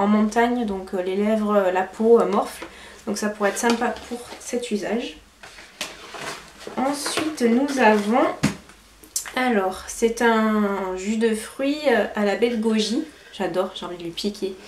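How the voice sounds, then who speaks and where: A woman vlogger chatting through a casual product review, hesitant with fillers and quick self-corrections. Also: fairly high pitch. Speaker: lifestyle vlogger. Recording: roomy echo, faint background noise.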